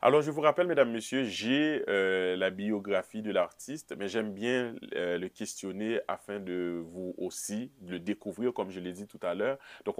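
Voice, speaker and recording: A man hosting a studio talk show, speaking to the audience in a theatrical way. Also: fairly low pitch. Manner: theatrical, addresses the audience directly.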